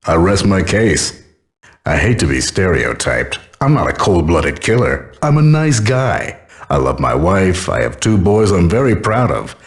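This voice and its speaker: A man's voice: low-pitched, sing-song, measured pace, exaggerated voice. An actor playing a chatty, wry hired gunman in a video game, talking like an ordinary working stiff. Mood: earnest, self-justifying. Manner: conversational, wry.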